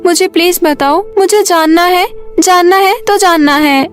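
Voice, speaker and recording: A stubborn, affectionate little schoolgirl, voiced by a woman. The pitch is lifted very high and the delivery is childlike and pleading, in storybook cartoon style, with music behind. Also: measured pace. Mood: pleading, insistent. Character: stubborn, affectionate young schoolgirl pestering her mother.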